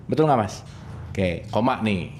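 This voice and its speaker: A man's voice: on the low side, lively intonation, unhurried, a little mellow, slight background noise. A man, giving a casual religious study talk, playful and often asking his audience questions. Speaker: religious teacher.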